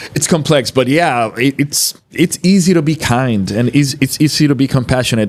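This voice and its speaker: A man with a Puerto Rican accent talks at a fairly high pitch with ordinary pitch variation, very even loudness and hardly any pauses. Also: moderate pace. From Puerto Rico. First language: Spanish. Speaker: podcast host. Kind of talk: casual interview chat.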